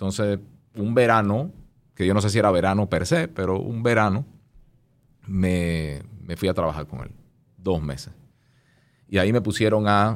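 With lively intonation and long, frequent pauses, a man speaks in a fairly low pitch at a moderate pace. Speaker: advertising entrepreneur. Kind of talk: casual interview. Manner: animated.

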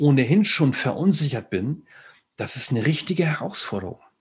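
A man talks in a fairly high voice that is somewhat breathy. His pitch swings very widely. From northern Germany, Schleswig-Holstein. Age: 40s. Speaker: former teacher and parenting seminar leader. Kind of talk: interview conversation.

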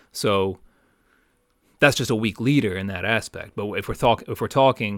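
A man talks at a fairly quick pace in a fairly low pitch, with a plain, everyday voice. The recording is very clean, with a silent background. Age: 30s. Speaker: solo podcast host. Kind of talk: solo podcast monologue. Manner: casual, conversational.

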